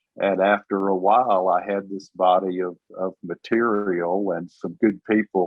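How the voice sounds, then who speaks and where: A man with a very deep, low pitch talks at a fairly slow pace. His intonation is monotone and flat, with hardly any pauses. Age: 70s. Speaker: author and Marine veteran. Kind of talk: casual interview. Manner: halting.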